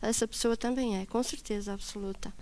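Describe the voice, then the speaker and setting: It's an ordinary speaking voice, at a moderate pace with lively intonation. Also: woman. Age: 60s. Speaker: church member giving testimony. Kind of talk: testimony.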